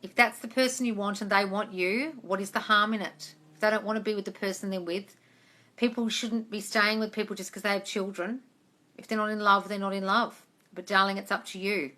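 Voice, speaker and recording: A woman's voice: medium pitch, steady tone, fairly quick, pushed and bright. A woman in her forties hosting a casual live question-and-answer chat, talking informally and addressing her listeners with endearments. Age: 40s. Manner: chatty, informal, calls listeners darling and guys. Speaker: manifestation coach hosting a live Q&A. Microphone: phone, close up.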